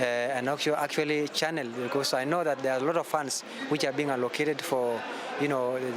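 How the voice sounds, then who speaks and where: A man from Kenya speaking hesitantly with many pauses and fillers in a street interview. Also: mid-range voice, noisy background. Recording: crowd behind, outdoors.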